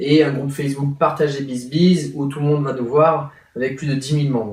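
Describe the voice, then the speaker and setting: Moving at a moderate pace, a man talks at a fairly high pitch. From France, Bordeaux. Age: 30s. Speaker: online banking referral promoter. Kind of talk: interview. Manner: hesitant, many fillers.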